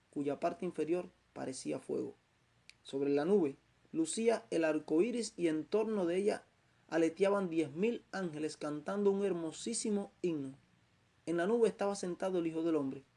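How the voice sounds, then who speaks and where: Hombre cubano que predica con voz rasposa. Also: male voice, fairly high pitch, mellow. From Cuba. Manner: slow, emphatic, repeats phrases for stress. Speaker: preacher. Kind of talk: Bible teaching sermon.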